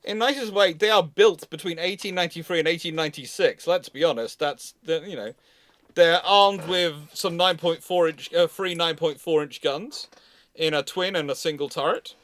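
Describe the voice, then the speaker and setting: A man hosting an unscripted livestream question-and-answer talk, thinking aloud haltingly and correcting himself as he goes. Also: a little high, fairly bright tone, no room sound. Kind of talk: unscripted naval history Q&A talk.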